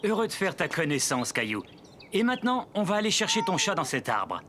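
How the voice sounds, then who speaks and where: An actor playing a friendly, enthusiastic firefighter in a French children's cartoon, patiently and jovially explaining things to a child. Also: male voice, sits high, very animated, a little fast, sharp tone, slight background noise, heavily acted.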